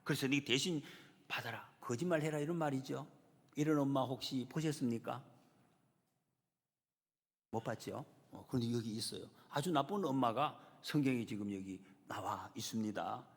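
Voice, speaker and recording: A man's voice: mid-range voice, moderate pace. A man preaching a Sunday sermon as pastor, earnestly addressing the congregation and building to emphatic peaks. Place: church sanctuary. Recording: long church reverb, slightly husky.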